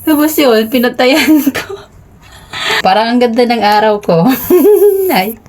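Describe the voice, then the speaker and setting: A woman's voice: a little high, animated, takes it slowly, a little mellow. A young woman with a Filipino accent, chatting casually in a vlog and telling a story with giggles and lots of fillers; she sounds sleepy. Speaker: vlogger.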